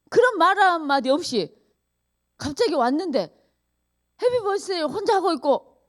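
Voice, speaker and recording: A middle-aged woman tells stories in a church sermon. Her voice sits high and swoops widely. She laughs often and acts out both sides of each exchange. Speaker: pastor's wife giving a church message. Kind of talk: storytelling sermon. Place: church service.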